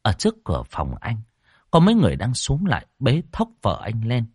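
Expressive male storyteller. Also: medium pitch, brisk, slightly rough, no echo, clean studio sound. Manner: dramatic, expressive. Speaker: narrator. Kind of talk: storytelling narration of a ghost tale.

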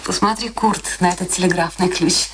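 An actress playing a bitter, gloating, domineering wife with theatrical, biting delivery in a radio play. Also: female voice, lowish voice, fairly even intonation, moderate pace, slight background noise, natural voice. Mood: gloating triumph.

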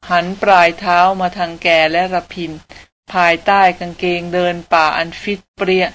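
A woman reading a novel aloud as an audiobook narrator, in an even, steady storytelling manner. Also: on the low side, moderate pace.

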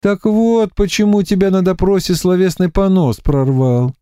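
A man's voice: high-pitched, normal speed, mellow, clear, resonant tone, dry recording, clean studio sound, pitched above the performer's own voice, close to an everyday voice. A man voicing a shrewd young male investigator who lays out his reasoning in an audiobook. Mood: probing.

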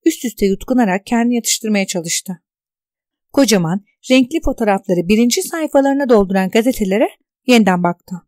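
A woman narrating a novel as an audiobook, in a measured, expressive reading on a close mic. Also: medium pitch, no room sound.

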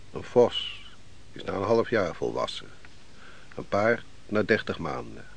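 An actor playing a defeated army commander in a Dutch radio play, weary, bitter and brooding, speaking in a grave, declamatory way. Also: male voice, sits low, creaky, fairly bright tone, full character voice. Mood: brooding, questioning. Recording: noisy old radio play recording.

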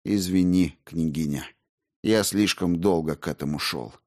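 A man's voice: low-pitched, a little slow. A man voicing a cocky, defiant schemer who brushes off accusations, in a storybook reading. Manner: indignant, then calm and dismissive.

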